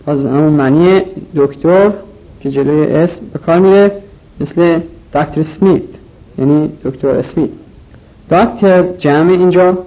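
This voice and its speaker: A man with a slightly higher voice teaches English vocabulary. He explains each word slowly and methodically. The recording sounds dull and lo-fi. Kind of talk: vocabulary lesson.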